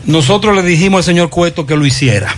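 A man's voice: on the high side, fast. A Dominican man hosting talk radio, giving emphatic, opinionated commentary and repeating his phrases. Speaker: radio host.

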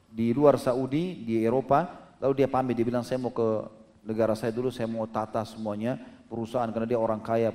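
Middle-aged male preacher, animated storyteller, mellow timbre. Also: medium pitch. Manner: animated storytelling, addresses listeners as friends. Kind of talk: storytelling sermon.

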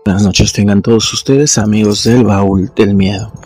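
A man telling a guest story to the show's audience in a formal, unhurried way. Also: fairly low pitch, fairly even intonation, dark tone, husky, rough recording.

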